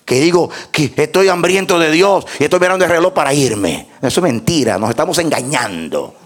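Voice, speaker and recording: A man's voice: fairly high pitch, expressive, brisk. A man preaching a sermon, telling stories with passion and repeating words for emphasis. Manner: impassioned, repetitive storytelling preaching.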